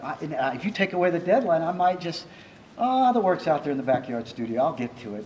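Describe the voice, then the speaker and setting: Noticeable background noise and audible room echo around a voice with an American accent. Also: man. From US South, Louisiana near New Orleans. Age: 50s. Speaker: composer. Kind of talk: Q&A talk at symposium. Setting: symposium lecture with audience. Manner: conversational, with frequent restarts.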